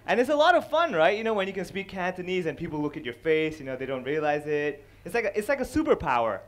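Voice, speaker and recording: A young man from Hong Kong doing stand-up comedy on a large stage, speaking into a headset mic and acting out characters with quick voice changes. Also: a little high, big pitch swings. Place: large dark stage before a live audience.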